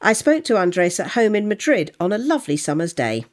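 A woman's voice: mid-range voice, very animated, a little fast. A woman hosting an interview podcast, introducing her guest and asking questions in an articulate, scripted way. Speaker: podcast host.

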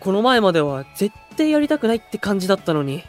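Excitable, slangy young idol. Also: male voice, high voice, fast, faint music behind. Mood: excited. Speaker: young station-worker idol in a unit. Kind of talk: anime-style voice drama acting.

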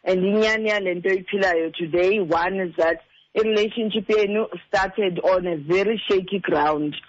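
A man's voice: sits high, normal speed, dull audio. A man with a South African Xhosa accent giving earnest, direct advice as a relationship counsellor, stressing points by repetition. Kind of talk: earnest advice, mixing in two languages.

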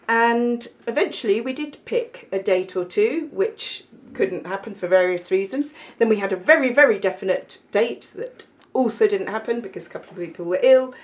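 A chatty woman radio presenter and play director, interviewing and laughing easily. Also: lowish voice. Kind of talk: casual interviewing.

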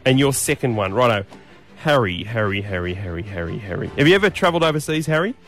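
A man hosting a breakfast radio show, bantering in a deadpan, teasing way. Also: on the low side, fast, faint music behind.

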